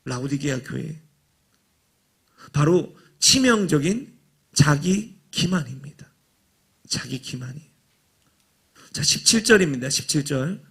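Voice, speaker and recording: A man's voice: on the high side, animated, slow pace, pauses often, fairly bright tone, slightly rough. A man preaching a sermon as pastor in a church, talking conversationally, asking the congregation questions and acting out quoted lines. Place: church sanctuary.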